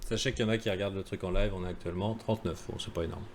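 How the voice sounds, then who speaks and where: A man's voice: sits low, fairly even intonation, racing, a little hiss or hum. A man giving a live crypto chart analysis in a casual, joking way, with many fillers and asides to viewers. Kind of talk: live-streamed market analysis.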